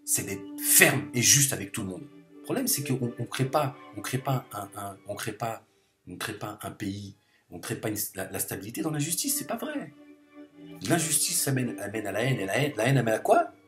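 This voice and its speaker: A man's voice: on the low side, big pitch swings, normal speed, over music. A man delivering an impassioned political monologue to camera, hammering his points by repeating phrases over and over. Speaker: video commentator.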